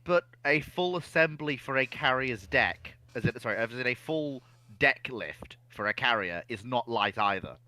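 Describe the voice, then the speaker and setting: Bright-voiced man analysing history. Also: medium pitch, lively intonation, normal speed, few pauses, dry recording. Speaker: naval history discussion panelist.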